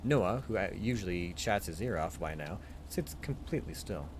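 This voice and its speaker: A man's voice: low voice, animated, normal speed, a little hiss or hum. A man narrating a visual novel aloud in an informal way, correcting himself as he reads.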